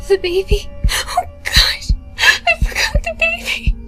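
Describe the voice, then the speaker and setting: A woman's voice: extremely high pitch, very animated, takes it slowly, bright, forceful tone, faint music behind, full character voice. A woman playing a sweet, timid fourteen-year-old babysitter in an amateur audio drama. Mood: panicked, crying.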